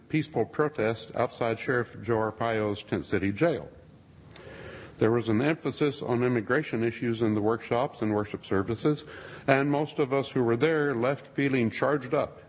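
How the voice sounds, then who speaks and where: A man giving a sermon-style talk to a congregation, with dry, wry asides and a husky voice. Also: medium pitch. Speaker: speaker addressing a congregation. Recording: long reverb of a large hall.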